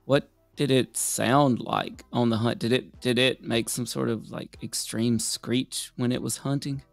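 A man's voice: medium pitch, steady tone, a little slow, vocal fry, dry recording, soft background music. A man co-hosting a podcast, musing and hesitant as he asks questions. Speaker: podcast host. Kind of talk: casual podcast chat.

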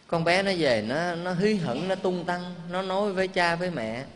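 A man's voice: high voice, animated, moderate pace. A man, a Buddhist monk giving a sermon, telling a moving story in a conversational, emotional way with rhetorical questions. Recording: long reverb, faint background hum.

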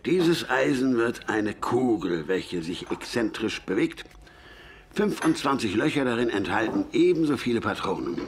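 Man acting old loner gunsmith, radio play, gruff, fry in the voice, animated intonation, curt. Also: mid-range voice, measured pace, slight background noise. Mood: proud, confiding. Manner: curt, clipped, grumbling sentences. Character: gruff, stubborn, solitary old American gunsmith.

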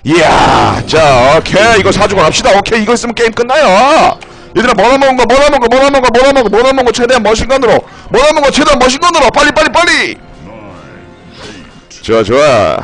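A man streaming a game live, excitedly shouting orders at his teammates and breaking into mock-grand commands. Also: very high voice, fairly quick, soft background music. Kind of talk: live gameplay commentary. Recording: noisy game audio behind.

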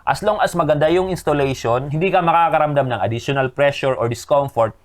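A man's voice: fairly high pitch, brisk. A Filipino man giving a casual, scripted voice-over as a motorcycle gear reviewer.

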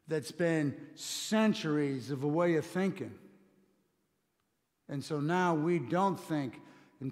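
Standing on a church stage with a communion table, a middle-aged pastor delivers a sermon in an earnest, talky style, often starting phrases over. His pitch is fairly high and his tone darkish, and the recording has a long hall reverb.

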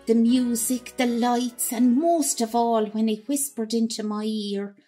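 A woman's voice: fairly high pitch, fairly even intonation, measured pace, warm tone, faint music behind. An actress playing a romantic Irish woman who fondly recalls her youth in a radio drama, wistful and storytelling, with an Irish accent. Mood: dreamy, romantic. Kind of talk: radio drama monologue, reminiscing.

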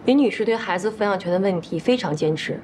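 An actress playing a firm, professional lawyer in formal TV drama dialogue. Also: female voice, medium pitch, fast talker, noisy background, close to an everyday voice.

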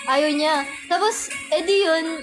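A young woman with a very high, girlish voice chats casually on a livestream, rambling through a story and giggling often. Music plays clearly behind her as she talks. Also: takes it slowly. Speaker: livestream host. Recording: music playing in the background. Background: background music.

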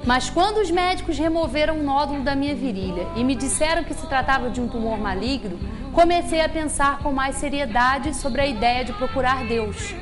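A frank, calm young man facing death, as a woman reads him aloud. His lines come in a high, steady voice over clear background music. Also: a little fast, few pauses, close to an everyday voice. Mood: earnest.

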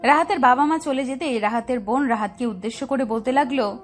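Brief: female storyteller, slightly high voice, steady scripted narration. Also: brisk, soft background music.

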